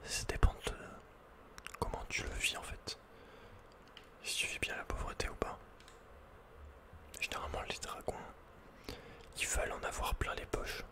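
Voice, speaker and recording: A man's voice: normal speed, long pauses. A man whispering unhurriedly as he thinks aloud, hosting an ASMR video game playthrough. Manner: whispering throughout. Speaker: ASMR gamer host.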